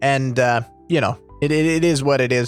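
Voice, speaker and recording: A man talks at a moderate pace. Music plays behind him. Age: 30s. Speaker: gaming YouTuber. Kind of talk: casual vlog monologue. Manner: casual, filler-heavy.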